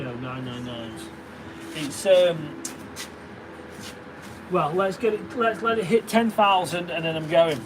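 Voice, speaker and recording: Against a noisy background, a man with a Derbyshire accent and a voice on the high side reads out viewers' names and thanks them during a casual livestream. He's a stone carver broadcasting from his workshop.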